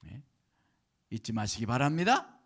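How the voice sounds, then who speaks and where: A male pastor delivering a Sunday sermon at a church service, dropping to hushed whispers and rising to loud, emphatic declarations while prompting the congregation for responses. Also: mid-range voice, wildly swooping pitch, measured pace, vocal fry.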